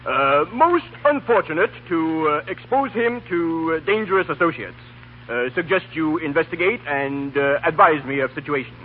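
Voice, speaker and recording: A man plays a pompous, disapproving middle-aged uncle in an old radio comedy. He dictates in halting bursts with lively swings of pitch, over a tinny, hissy 1930s recording. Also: close to an everyday voice. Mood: stuffy, disapproving. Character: stuffy, disapproving rich uncle dictating telegrams.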